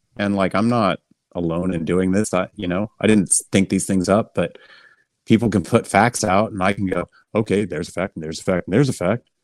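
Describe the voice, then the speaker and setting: In a very clean recording with a silent background and a dry, close sound with no echo, a man with a Californian accent talks at a fairly quick pace, his pitch very deep and low and his intonation fairly even. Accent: Californian American. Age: 40s. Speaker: almond farmer. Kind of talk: casual chat.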